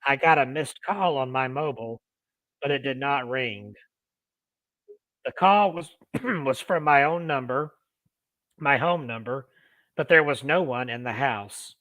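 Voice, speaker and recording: A man hosting a paranormal show, reading ghost stories aloud in deliberate phrases with casual asides. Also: medium pitch, fairly bright tone, dry recording. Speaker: host of a paranormal storytelling show.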